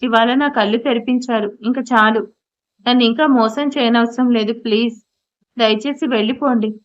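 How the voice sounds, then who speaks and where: A woman's voice: fairly high pitch, steady tone, normal speed, natural voice. A woman voicing a hurt young wife who speaks reproachfully through tears. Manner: reproachful, tearful. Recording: dull lo-fi audio.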